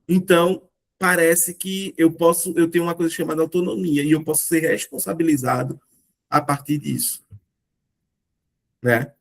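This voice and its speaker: A Brazilian man leads a relaxed philosophy discussion, his voice sitting a little high for a man. He works through ideas patiently and keeps asking rhetorical questions, tagging his sentences with little checks for agreement. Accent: Brazilian Portuguese. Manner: explanatory, rhetorical questions, frequent "né". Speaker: discussion group host.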